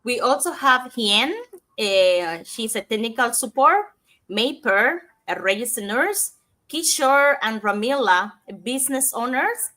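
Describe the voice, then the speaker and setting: Bright-voiced woman co-host from Cuba. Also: fairly high pitch. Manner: reads lists of names and details, slightly halting. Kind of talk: online talk show.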